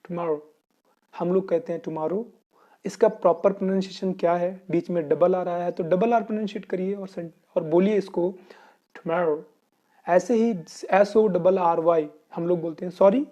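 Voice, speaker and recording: Indian-accented man, English coaching teacher, asks and answers his own questions, dark mellow tone. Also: high-pitched. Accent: Indian Hindi-speaking. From Uttar Pradesh, India. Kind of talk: explanatory Hinglish lesson.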